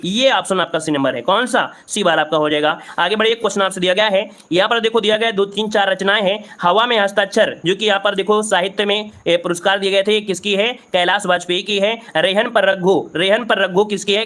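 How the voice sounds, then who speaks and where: A man teaching a live exam-prep lesson, going through answers briskly, repeating each one and calling his students friends. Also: sits high, pushed and bright.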